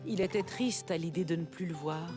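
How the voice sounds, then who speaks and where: A woman playing the kindly storyteller of a preschool cartoon, narrating in clearly phrased sentences. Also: lowish voice, a little fast, close to an everyday voice. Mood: kindly storytelling. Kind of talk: scripted children's story narration. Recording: loud music behind the narration.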